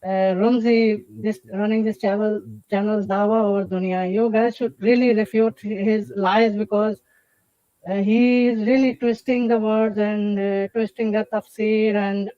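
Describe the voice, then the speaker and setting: A man's voice: high voice, little pitch movement, a little slow, mellow, no echo, muffled recording. A man calling in with his voice disguised by a voice changer, hesitant, with lots of uh's and a polite "sir". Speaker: caller. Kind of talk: casual call-in chat.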